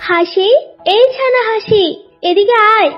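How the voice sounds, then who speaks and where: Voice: extremely high pitch, unhurried. A performer voicing an anxious, motherly doe auntie in a children's cartoon, in slightly dull sound with music behind. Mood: fussing, scolding. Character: anxious, fussing motherly doe, aunt to a duckling.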